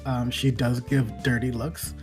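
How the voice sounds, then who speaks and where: A man's voice: mid-range voice, flat delivery, a little slow, a little mellow, faint music behind. A man taking part in a tabletop game, chatting and joking casually.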